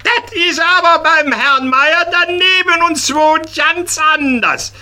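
Mann spielt einen protestierenden frechen Schuljungen. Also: male voice, extremely high pitch, expressive, slow pace, bright, forceful tone, voice pushed up, heavily acted. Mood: protesting. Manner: indignant, protesting. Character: cheeky know-it-all schoolboy.

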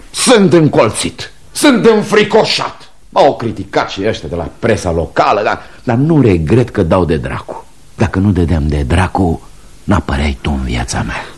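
A man's voice: low-pitched, husky, full character voice. A man acting a timid, self-pitying middle-aged functionary in an old radio play, pleading and hesitant. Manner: plaintive and hesitant, pleading, veering between mumble and whine. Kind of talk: 1970s radio drama acting.

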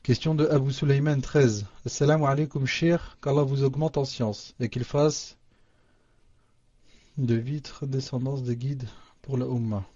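A man's voice: mid-range voice, fairly even intonation, a little slow, warm tone, no echo. A man moderating an online call, reading listener questions aloud with restarts and Arabic religious phrases. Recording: muffled lo-fi audio.

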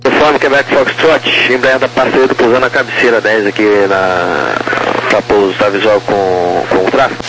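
A man's voice: on the low side, fairly even intonation, moderate pace, a bit bright. A man working as an air traffic controller, giving clipped procedural instructions over the radio. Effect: radio transmission. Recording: faintly noisy, humming aviation radio.

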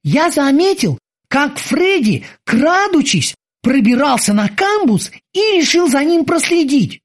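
A woman voicing a timid, eager male bosun who reports in a stiffly formal, drawn-out way. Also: high voice, very animated, pitched above the performer's own voice. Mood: eager telling.

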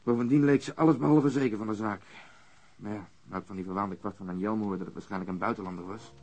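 An actor playing a sceptical, grumbling, unimpressed police detective in a radio crime drama. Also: male voice, fairly low pitch, quick pace, a little mellow, highs cut off, a little hiss or hum, natural voice. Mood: grumbling, dismissive.

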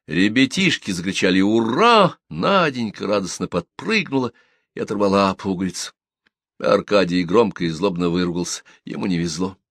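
A man narrating an audiobook with expressive storytelling in a dry, close recording. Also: sits low, normal speed, no room sound. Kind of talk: audiobook reading.

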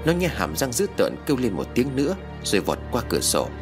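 Expressive male storyteller. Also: mid-range voice, fast, over music. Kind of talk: dramatic scripted narration of a ghost story.

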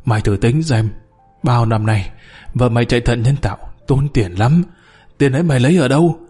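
Dying old tyrant, wheezy and pleading, put on by a male reader; middle pitch. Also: fairly quick, darkish tone, husky, soft background music, natural voice. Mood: reproachful. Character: dying old corrupt official, greedy and tyrannical, begging.

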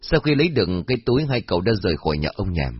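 A man voicing a composed young male police officer who asks measured questions, in a storybook reading. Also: fairly low pitch, big pitch swings, slightly rough, no room sound, muffled recording, faint music behind. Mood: questioning.

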